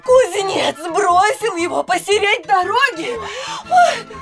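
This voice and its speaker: An actress playing an excitable, giggly young village girl in a Russian audio drama, exclaiming breathlessly. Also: extremely high pitch, takes it slowly, music in the background, heavily acted. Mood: startled. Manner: squealing, gasping, exclaiming.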